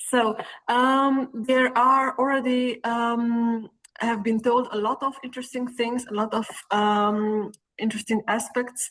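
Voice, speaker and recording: Talking fairly slowly with a non-native accent, a woman holds a fairly high pitch in a monotone, flat delivery. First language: not English. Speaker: infection prevention nurse. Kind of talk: webinar presentation. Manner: hesitant, many fillers.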